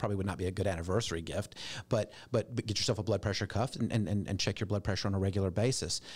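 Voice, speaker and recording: Very fast and somewhat breathy, a man speaks at fairly low pitch with fairly even intonation. His loudness is very even on a very clean recording with a silent background. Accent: American. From US South, south Georgia. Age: 50s. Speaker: cardiologist. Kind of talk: interview.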